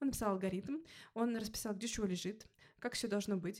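A woman speaks at a very fast pace and a fairly high pitch. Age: 30s. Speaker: podcast host. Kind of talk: casual interview chat; monologue to listeners.

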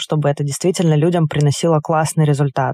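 A woman's dark, mellow voice, fairly low in pitch with ordinary variation, sounds dry and close with no echo over a quiet background. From Russia, Barnaul. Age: 20s. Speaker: language school co-founder. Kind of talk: personal monologue.

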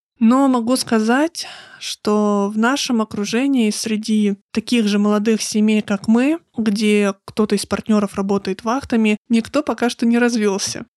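With an unremarkable speaking voice, a woman speaks fairly slowly at a fairly high pitch, her intonation fairly even and her loudness very even, in a dry, close sound with no echo against a quiet background. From Russia, Novosibirsk. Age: 30s. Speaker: podcast host. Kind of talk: solo podcast monologue.

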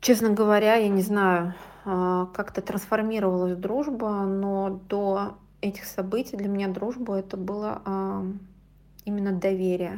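At a fairly slow pace, a woman speaks at a medium pitch in a monotone, flat intonation. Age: 40s. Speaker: listener with a voice message. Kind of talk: recorded voice message.

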